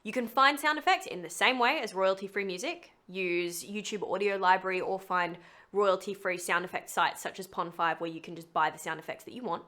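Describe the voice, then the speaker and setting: A woman presents a tutorial in a chatty, explanatory style. Her pitch sits in the middle range, and she leans on key words expressively as she walks viewers through each step. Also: a little fast, pushed and bright. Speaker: voice-over tutorial host.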